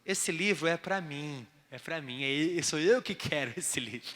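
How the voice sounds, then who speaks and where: Fervent Brazilian preacher in a reverberant hall. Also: male voice, on the high side, unhurried. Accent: Brazilian Portuguese. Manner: swings from quiet confiding asides to loud fervent preaching. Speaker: bishop. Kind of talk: sermon. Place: church hall. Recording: long church-hall reverb.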